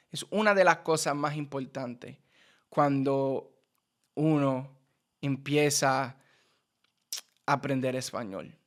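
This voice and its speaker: Slow-talking Puerto Rican-accented man. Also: on the high side. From United States. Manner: slow, repeats and restarts words while explaining. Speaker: Spanish teacher. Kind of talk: casual teaching to camera.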